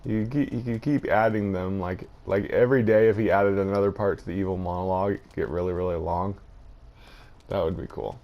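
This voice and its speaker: A man's voice: sits low, steady tone, a little fast, darkish tone. A man giving casual, unscripted game commentary, thinking aloud in a hesitant way. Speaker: gaming video host.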